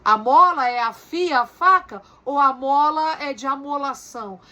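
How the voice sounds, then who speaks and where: A woman's voice: sits high, a little slow, bright, forceful tone. A woman giving a recorded lecture as a teacher, explaining step by step with frequent tag questions and rhetorical questions.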